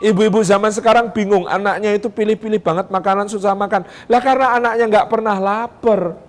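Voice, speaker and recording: A male preacher gives a parenting talk. He is lively and animated, speaking straight to the mothers in his audience and acting out little scenes. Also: high voice, fairly quick. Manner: animated, addresses mothers directly, acts out quotes. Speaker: Islamic preacher. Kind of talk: parenting sermon to a congregation.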